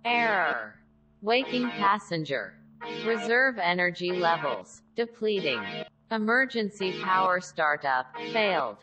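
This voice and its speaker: A woman voicing a female spaceship computer that is glitching and reporting errors in a flat announcing tone. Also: on the low side, slow, muffled recording. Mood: alarmed. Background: music.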